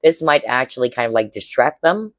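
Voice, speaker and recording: A woman with a hoarse, cracking voice giving a casual tarot reading to viewers, chatty and often checking in with her listeners. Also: very deep voice, expressive, fairly quick, dry recording. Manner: chatty, keeps checking in with "all right?" and "okay?". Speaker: tarot reader.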